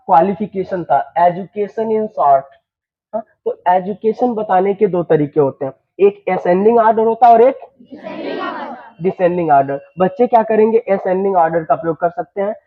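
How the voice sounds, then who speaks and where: A young male English teacher from eastern Uttar Pradesh, India, speaks with a Bhojpuri-influenced Hindi accent in a high voice. During a classroom lesson he repeats phrases, checks that students understand, and slows down for English sentences. The recording is thin, like a phone line.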